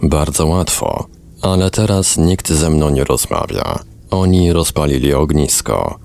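A man reading the lines of a tired young woman under hypnosis, in slow, subdued, matter-of-fact answers. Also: rumbling low, lively intonation, gravelly, a little mellow, heavily acted. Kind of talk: reading a hypnosis session transcript aloud.

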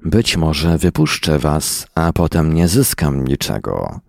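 A man's voice: a bass voice, animated, takes it slowly, vocal fry, a little mellow, no room sound, clean studio sound, full character voice. A man voicing a silky, cruel alien sun-child. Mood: greedy. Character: cruel childlike fiery alien being, bored.

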